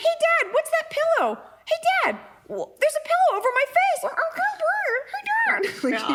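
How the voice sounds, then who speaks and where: A put-on character voice at an extremely high pitch, fairly slow, with very wide pitch swings. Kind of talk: cutesy pet voice. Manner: innocent, sweet.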